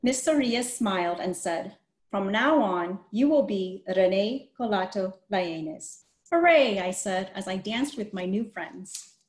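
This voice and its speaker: A middle-aged woman hosts a read-aloud and interviews an author over a video call from a small indoor room. Her medium-pitched voice is animated and unhurried, picked up by a computer mic with a roomy, echoey sound.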